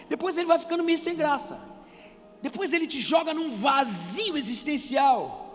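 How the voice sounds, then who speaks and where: A man with a Brazilian Portuguese accent preaching a sermon, animated and conversational, asking the congregation rhetorical questions. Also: very high voice. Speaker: pastor. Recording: reverberant church hall with faint music.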